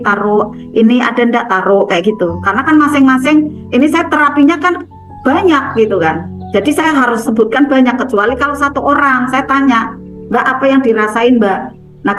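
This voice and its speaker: A woman's voice: on the high side, rough recording. A woman giving a casual self-development seminar talk, chatty and often acting out bits of dialogue. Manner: chatty, repeats "gitu kan", acts out dialogue.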